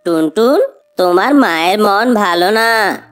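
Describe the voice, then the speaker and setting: A woman voicing a gentle, reasonable father bird in a children's cartoon, patient and mildly reproachful. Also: mid-range voice, expressive, measured pace, close to an everyday voice. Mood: gentle caution.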